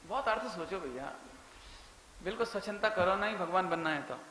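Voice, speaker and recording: A man's voice: high-pitched, expressive, a little fast, a little hiss or hum. A man giving a sermon, telling family anecdotes and voicing the people in them. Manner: storytelling, softly voicing family members in quoted lines. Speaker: Jain preacher. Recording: echoey hall with long reverb, faint ambience.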